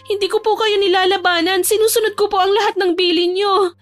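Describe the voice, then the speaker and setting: Woman doing a pleading teenage daughter, high and shaky. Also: fairly even intonation, fairly quick. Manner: tearful, pleading, respectful. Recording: faint music behind.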